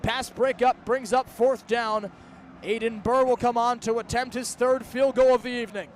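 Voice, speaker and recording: A man's voice: very high voice, steady tone, moderate pace. A man in his twenties doing live radio football play-by-play in clipped, urgent phrases from a stadium. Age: 20s. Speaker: play-by-play announcer. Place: outdoors at a college football stadium. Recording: outdoor stadium ambience, faint background noise.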